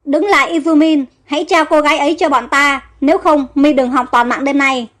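A woman reading the lines of a fierce northern male warrior leader, with commanding, shouted orders. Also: high-pitched, steady tone, fairly quick.

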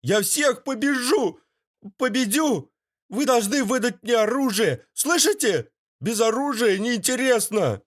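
A shrill cracking boyish fat captive. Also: male voice, expressive, measured pace, heavily acted. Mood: frantic. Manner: cracking high shouting.

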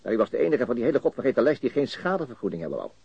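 An actor in a radio crime drama playing a calm, shrewd police interrogator with a husky voice, patient and quietly probing. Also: male voice, medium pitch, no echo, heavily acted. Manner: unhurried, quietly probing, understated. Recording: dull lo-fi studio radio recording.

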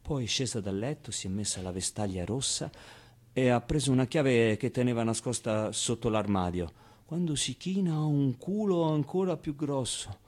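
An actor playing a streetwise, tender orphaned Muslim boy in a theatrical monologue, confiding in the audience in a halting, colloquial way. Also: mid-range voice, darkish tone, lightly acted. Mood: hushed storytelling.

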